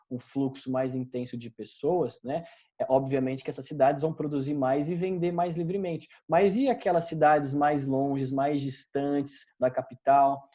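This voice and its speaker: A man's voice: medium pitch, warm tone. A man with a Brazilian accent teaching a recorded class, talking conversationally, often correcting himself and checking in with his students. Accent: Brazilian Portuguese. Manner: conversational, many fillers and self-corrections, addresses students directly.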